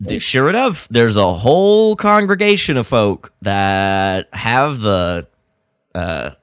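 A man's voice: fairly low pitch, animated, takes it slowly, clean tone, dry recording, clean studio sound. A man co-hosting a podcast, telling anecdotes in a casual, wry, amused way. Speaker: podcast co-host.

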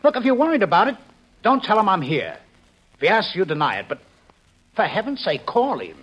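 Worked up american husband, old 50s radio play, emphatic n indignant, voice all over the place. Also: male voice, sits high, wildly swooping pitch, a little fast, fairly bright tone, slightly rough, lo-fi sound, heavily acted. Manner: emphatic, exasperated, swooping delivery. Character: agitated, indignant husband, a future security chief. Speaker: radio drama actor. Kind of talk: 1950s radio drama acting.

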